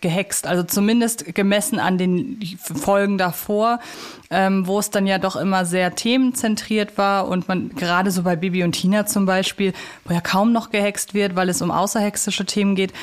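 A woman hosting a casual review podcast, wordy and opinionated, carefully qualifying her points. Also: mid-range voice. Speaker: podcast host. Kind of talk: casual review chat about audio dramas.

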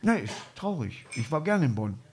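A man's voice: a little high, very animated, normal speed, crowd noise. A man hosting a live comedy podcast, rambling through anecdotes and chuckling often. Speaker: podcast host. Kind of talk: casual comedy chat.

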